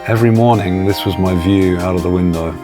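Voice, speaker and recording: A hoarse man narrating his building vlog in a relaxed, halting way with lots of "uh". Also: low voice. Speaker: vlogger. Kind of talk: casual narration. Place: home studio. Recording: voice-over with music bed. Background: music.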